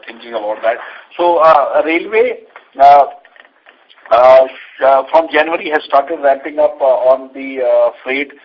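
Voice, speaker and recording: A man with an Indian accent, an executive giving unscripted answers on an earnings call in a halting way, often repeating phrases. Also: medium pitch. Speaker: company executive answering investor questions. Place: conference call line. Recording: dull lo-fi conference call audio.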